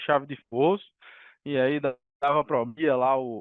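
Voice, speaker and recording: A man with a northeastern Brazilian accent speaks at a fairly high pitch. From Brazil, Northeast (Paraíba, Maceió). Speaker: IT director and racing driver. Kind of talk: podcast interview. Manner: casual, animated.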